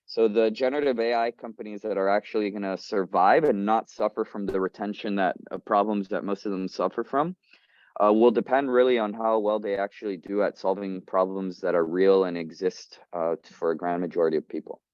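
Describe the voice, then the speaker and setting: A man's voice: fairly low pitch, fairly even intonation, a little fast, a little mellow, no room sound. A man in his twenties from Colombia, a startup founder giving a casual, upbeat talk on a community video call, full of fillers and restarts. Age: 20s. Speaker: guest speaker, startup founder. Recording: dry, slightly dull call audio.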